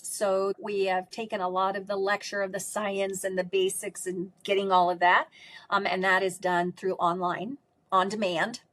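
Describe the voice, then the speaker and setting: A middle-aged woman with a strong voice speaks at a medium pitch in an emphatic, conversational way. She often caps her points with a quick "right?" as she explains her work. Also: a bit bright. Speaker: speech pathologist and course instructor. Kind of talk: conversational interview answers.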